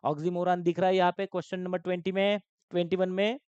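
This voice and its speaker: A man's voice: high-pitched, flat delivery, fast, darkish tone, clear, resonant tone, no room sound. Man, online exam-prep teacher, quizzing and repeating, dry, dull recording. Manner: questioning, repeats terms, mixes English terms into Hindi. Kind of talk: live online class.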